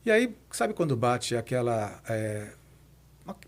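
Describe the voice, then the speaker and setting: This podcast guest is a Brazilian man in his fifties who heads a nonprofit institute. His mid-range voice has a sing-song quality and an unhurried rhythm as he reflects on and explains his personal story in conversational interview answers.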